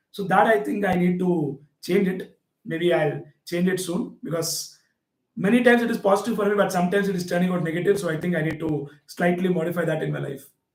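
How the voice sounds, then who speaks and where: A man speaks at a very fast pace with an Indian accent. His pitch is high for a man, with ordinary pitch variation. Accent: Indian English (Telugu). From India, Telangana. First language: Telugu. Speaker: chartered accountant and tax teacher. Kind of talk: live Q&A session. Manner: casual, conversational.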